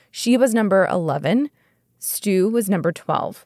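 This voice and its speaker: A woman has an unremarkable speaking voice. The recording is very clean with a silent background and a dry, close sound with no echo. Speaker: attorney podcast co-host. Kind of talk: legal explainer podcast.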